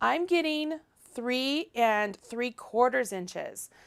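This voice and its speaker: A woman talks in a high pitch with lively intonation. The recording is very clean, with a silent background. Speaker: crochet designer and teacher. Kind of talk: tutorial. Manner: casual, conversational.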